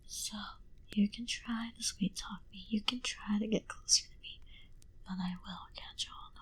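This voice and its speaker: A woman voicing a proud, menacing vampire in a whispered ASMR roleplay, speaking deliberately and condescendingly into a close binaural mic. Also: medium pitch, fairly even intonation. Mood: cool, menacing. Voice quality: breathy, hushed whisper. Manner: slow, deliberate, coolly condescending to the listener. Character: proud, menacing female vampire recounting her past. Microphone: close binaural microphone.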